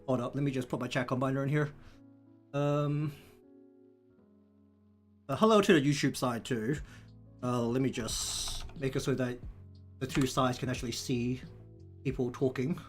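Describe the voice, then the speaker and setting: A man's voice: medium pitch, steady tone, moderate pace, pauses often. A man with a broad New Zealand accent chatting casually on a livestream, rambling and thinking aloud as he works. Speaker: live streamer. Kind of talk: casual livestream chat while working. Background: background music.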